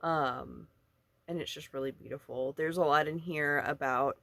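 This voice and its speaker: A book vlogger chatting casually and informally about their reading, in a halting way with frequent asides. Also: medium pitch, fairly even intonation, fairly bright tone, no echo. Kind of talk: casual book review chat to camera.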